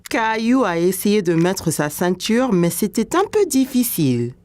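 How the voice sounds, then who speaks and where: A woman narrating a children's cartoon in a gentle storybook manner. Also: medium pitch, sing-song, measured pace.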